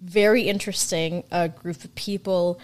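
A woman's voice: on the low side, steady tone, normal speed, a little mellow. A young woman co-hosting a podcast in casual, irreverent chat, rambling with lots of fillers. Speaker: podcast co-host.

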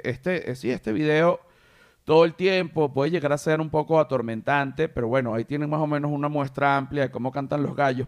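A man hosting a podcast, telling anecdotes in a casual, animated way. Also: a little high. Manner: animated storyteller, mimics animal cries. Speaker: podcast host.

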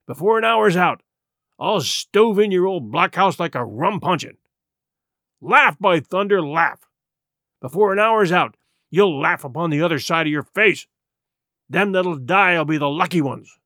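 A man voicing a rough, wrathful pirate ringleader who wheedles and threatens in salty sailor talk, for an audiobook. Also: high-pitched, expressive, a little slow, a bit bright, no room sound, studio quality. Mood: roaring wrath.

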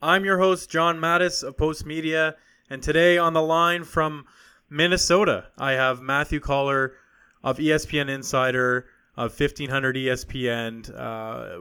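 Man, podcast host, casual chat, bright tone, crisp voice, halting restarts. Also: mid-range voice. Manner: conversational, with frequent fillers and restarts.

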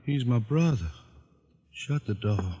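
A man's voice: mid-range voice, animated, takes it slowly, dark tone, husky, heavily acted. An actor playing a wary, curt hardware shop man in a 1940s-style radio drama. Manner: curt, suspicious.

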